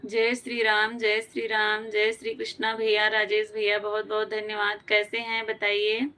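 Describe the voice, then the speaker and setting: A woman's voice: medium pitch, completely flat delivery, normal speed, pushed and bright. A woman from Uttar Pradesh hosting a live stream, chatting casually, greeting viewers by name and answering their comments. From Uttar Pradesh, India.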